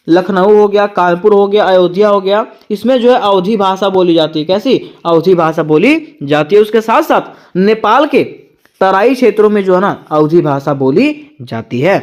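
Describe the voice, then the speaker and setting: A teacher giving an exam-prep lecture who reads from notes, explains each point in plain words, and keeps turning it into a question for the listeners before answering it. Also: mid-range voice.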